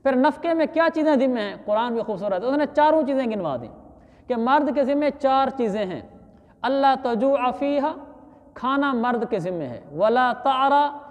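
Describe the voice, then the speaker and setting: Male religious scholar, lecture delivery with recited verses and anecdotes; long hall reverb. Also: very high voice. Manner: storytelling with Arabic recitation and quoted dialogue. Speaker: Islamic scholar giving Quran commentary. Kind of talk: Quran commentary lecture.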